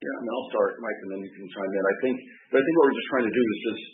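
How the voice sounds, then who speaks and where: A man, a bank executive, answering analysts' questions on an earnings call in a measured way with many fillers. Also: on the low side. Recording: echoey tinny phone line.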